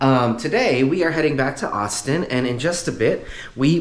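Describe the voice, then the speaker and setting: Over noticeable background noise, a man talks at a medium pitch, with audible room echo. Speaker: car YouTuber. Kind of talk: vlog, casual talk to camera. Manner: hesitant, many fillers and repeats.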